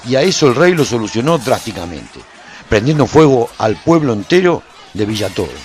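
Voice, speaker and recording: A man playing a solitary warrior who recounts his battles in solemn, measured, scripted radio-serial narration. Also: mid-range voice, very animated, a little mellow, close to an everyday voice. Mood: solemn, dramatic.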